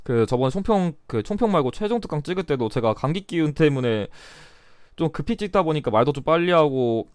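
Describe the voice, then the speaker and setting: Young guy tutor going over a test, blunt and chatty, bit of a cold, lively pitch, dry close mic. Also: a little fast, smooth, no echo. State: recovering from a cold. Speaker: history exam tutor. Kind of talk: casual exam review lecture.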